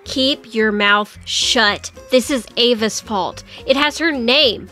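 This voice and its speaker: A woman playing a cold, domineering school principal in a voiced animated roleplay, haughty and scolding. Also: a little high, takes it slowly. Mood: scornful. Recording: music behind the voice.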